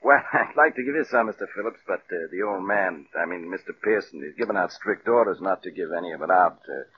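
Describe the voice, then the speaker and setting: An actor playing a folksy, easygoing factory superintendent in 1940s radio style. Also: male voice, deep voice, expressive, quick pace. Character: folksy middle-aged male factory superintendent. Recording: dull old radio broadcast, faint hiss.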